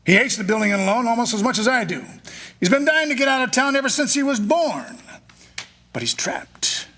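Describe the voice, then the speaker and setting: A man's voice: very high voice, animated, a little fast, pushed and bright, exaggerated voice. A man playing a scheming, condescending rich old man in a staged 1940s-style radio drama, wheedling and commanding. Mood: sly, condescending. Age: older.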